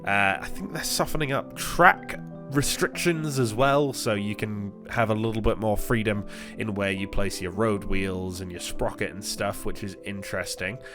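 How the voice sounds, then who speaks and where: A man's voice: fairly low pitch, fairly even intonation, normal speed, over music. Congested young-sounding man rambling over gameplay. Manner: rambling, many fillers and restarts. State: congested, recovering from illness. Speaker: gaming channel host. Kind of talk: casual gameplay commentary.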